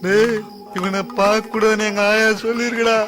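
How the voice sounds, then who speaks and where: An actor playing a jumpy, superstitious village lad with a rural Tamil Nadu accent in comic film style. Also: male voice, high-pitched, level tone, moderate pace, natural voice. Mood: alarmed. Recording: film soundtrack with music under voice.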